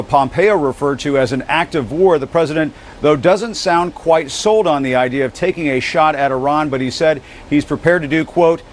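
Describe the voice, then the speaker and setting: A man's voice: medium pitch, slight background noise. A man with an American accent reporting live as a political correspondent. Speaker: White House correspondent.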